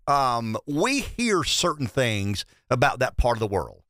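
Southern man with a swinging, animated delivery. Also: mid-range voice, a little slow, no room sound, studio quality. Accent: thick Southern US. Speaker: radio host, interviewer. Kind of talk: conversational radio interview.

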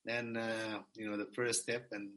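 Earnest man, bright tone. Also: fairly low pitch, little pitch movement. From Iraq. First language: Kurdish. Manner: earnest, halting, repeats words. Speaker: former exchange student. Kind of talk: heartfelt conversation.

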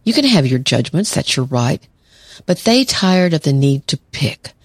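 A woman's voice: deep voice, sing-song, measured pace, no room sound. A middle-aged woman hosting an advice podcast, talking things through reflectively and telling stories. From southern United States. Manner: reflective, storytelling. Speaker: podcast host, therapist.

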